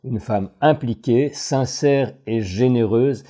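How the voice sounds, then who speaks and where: A man, a voice coach, reads a scripted voice-over analysis in a measured, analytical way. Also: medium pitch. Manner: measured, analytical, expressive phrasing.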